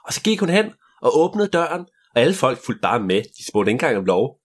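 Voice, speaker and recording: A man's voice: mid-range voice, big pitch swings. A young man taking turns in an improvised story, playful and adding sound effects.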